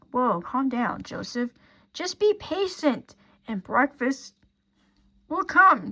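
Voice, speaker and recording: A woman's high-pitched, put-on character voice at a very slow pace. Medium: read story. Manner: patient, diplomatic.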